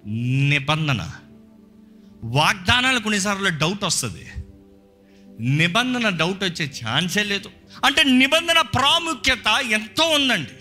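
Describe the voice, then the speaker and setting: A man pastor delivers an animated sermon, slipping English phrases into his talk. His voice sits high and rings very bright. Faint music plays underneath. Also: measured pace, long pauses.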